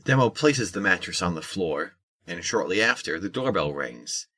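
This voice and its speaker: A wry narrator voiced by a man with a very low, husky voice. He delivers measured audio drama narration with a forceful edge. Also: animated, exaggerated voice. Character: wry male storyteller narrator.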